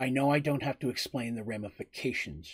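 Growling at a very fast pace, a man uses a put-on character voice at medium pitch. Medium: read story. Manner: stern, grave.

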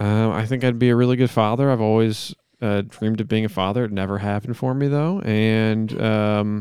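A man with an unremarkable speaking voice and fairly low pitch is heard in a dry, close sound with no echo. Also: very clean recording, silent background. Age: 30s. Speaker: podcast host and barber. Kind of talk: casual comedic chat.

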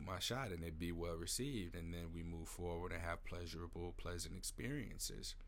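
A man speaks in a room with audible echo, his pitch varying in an ordinary way at a moderate speed. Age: 30s. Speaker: podcast host, nonprofit founder. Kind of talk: solo reflective monologue. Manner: hesitant, filler-heavy.

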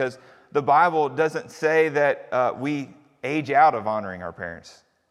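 Ordinary pitch variation marks this man's plain, everyday voice, which sits at a fairly high pitch. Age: 40s. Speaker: pastor. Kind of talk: sermon. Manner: frequent filler words.

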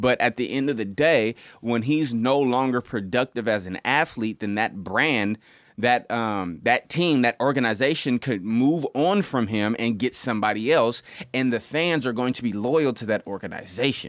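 A man with a plain, everyday voice speaks at a moderate pace with a medium pitch and ordinary pitch variation. The recording is very clean, dry and close, with a silent background and no echo. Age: 30s. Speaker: resale store owner. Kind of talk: casual chat.

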